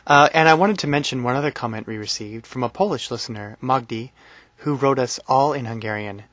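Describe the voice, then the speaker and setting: A man hosting a language-learning podcast in a relaxed, friendly way. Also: medium pitch, fairly quick, no room sound, highs cut off. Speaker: podcast host. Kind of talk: casual podcast talk.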